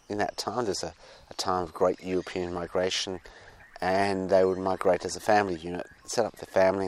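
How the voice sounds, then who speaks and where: A man with an Australian accent giving a casual, reflective monologue outdoors, halting and digressive, often restarting his phrases. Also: low-pitched, a little hiss or hum. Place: outdoors with birds nearby.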